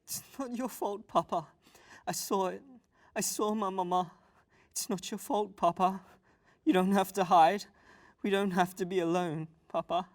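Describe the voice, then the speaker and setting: A woman's voice: mid-range voice, steady tone, measured pace, close to an everyday voice. A woman playing an earnest, self-doubting young tribal boy at a table read of a fantasy drama. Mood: pleading, tender.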